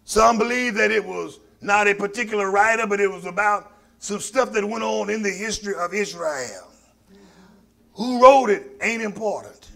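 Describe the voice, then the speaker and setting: Male preacher, Southern African American accent, high voice with a creaky rasp, folksy and emphatic sermon delivery. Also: moderate pace, sharp tone. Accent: Southern African American English. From Mississippi, US. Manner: folksy, emphatic, repeats phrases for effect. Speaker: pastor preaching to a congregation. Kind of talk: sermon with call and response.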